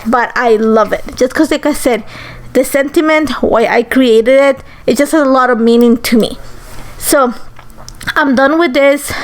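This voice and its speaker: A woman in her forties from Ecuador, chatting easily through a crafting tutorial voice-over with lots of ums and likes. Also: sits high. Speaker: crafter on a design team.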